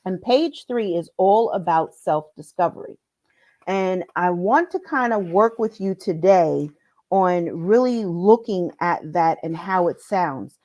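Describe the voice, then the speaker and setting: A woman's voice: fairly low pitch, lively intonation, slow pace, a little mellow, dull audio. Upbeat woman coach with allergy-thick voice. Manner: upbeat, addresses viewers directly. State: congested from allergies. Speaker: life coach. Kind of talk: live-streamed coaching lesson.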